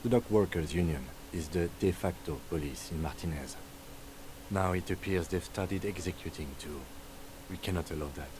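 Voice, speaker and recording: A man voicing a calm, methodical police lieutenant who briefs his partner in a measured, matter-of-fact way. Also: sits low, background noise, natural voice.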